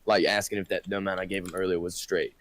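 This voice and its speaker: A man's voice: low voice, little pitch movement, quick pace, fairly bright tone. Laid-back young man telling a story. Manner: laid-back, rambling, acts out voices of others. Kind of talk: casual storytelling chat.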